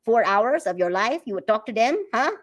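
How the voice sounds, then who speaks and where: A woman putting on a chatty disguise persona with a fake foreign accent, exaggerated, halting and repetitive, in casual livestream talk. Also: a little high, lively intonation, close to an everyday voice. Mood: insistent. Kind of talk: casual livestream chat in a put-on voice.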